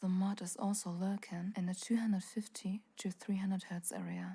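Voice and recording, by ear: A woman's voice with a dark, mellow tone and a slightly husky edge carries vocal fry and shows little pitch movement. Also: medium pitch for a woman, moderate pace.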